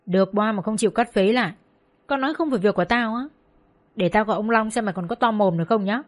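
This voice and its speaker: A woman's voice: medium pitch, quick pace, natural voice. A woman voicing a jealous, spiteful young hostess who taunts and tattles. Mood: sneering. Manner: sneering, taunting.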